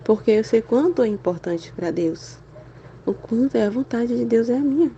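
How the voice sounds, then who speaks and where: An adult woman giving a casual spiritual talk for a Catholic channel, chatty and animated, sprinkling "né?" through her speech while feeling unwell and weary. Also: fairly high pitch, moderate pace, creaky, highs cut off, a little hiss or hum. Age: adult with a school-age son and husband. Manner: chatty, constant "né?" tags, animated exclamations.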